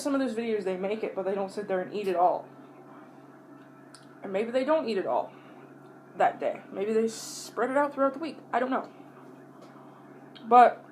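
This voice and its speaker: A woman vlogger rambling casually to her viewers while she eats, pausing to chew between bites, with blunt, sweary talk. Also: medium pitch, darkish tone, slight background noise, poor audio. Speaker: mukbang vlogger.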